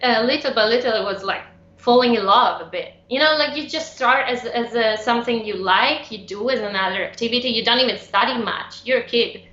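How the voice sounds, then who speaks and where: Against noticeable background noise and audible room echo, a woman with an Italian accent speaks in a high pitch with lively intonation. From northeast Italy, near Venice. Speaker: classical guitarist and teacher. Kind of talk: interview.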